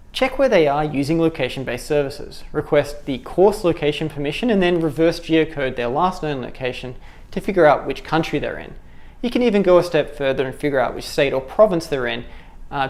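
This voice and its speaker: A man's voice: a little high, a little mellow. A man in his thirties with an Australian accent, presenting a scripted tutorial on app development in an upbeat way in a studio. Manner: upbeat, gestures with hands while talking. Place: studio with dark backdrop.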